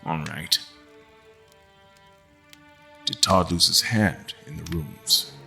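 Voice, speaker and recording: A deep-voiced, wry captive guest. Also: male voice, steady tone, vocal fry, pushed and bright, soft background music, heavily acted. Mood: careful, probing. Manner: deliberate, formal, dry. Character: mortal male guest, frustrated, wry, carefully probing captors. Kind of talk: audio drama acting with first-person narration.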